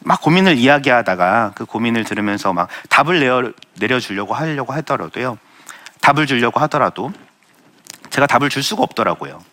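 A man's voice: medium pitch, expressive, brisk, pushed and bright. A young man giving an earnest, self-deprecating Christian testimony and answering audience questions. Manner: earnest, self-deprecating storytelling with light laughs. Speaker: Christian speaker sharing testimony.

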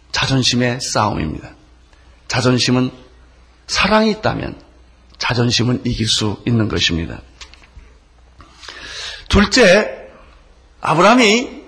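A man preaching a sermon, emphatic, swinging between loud stresses and soft drops. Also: mid-range voice, breathy edge. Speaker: pastor.

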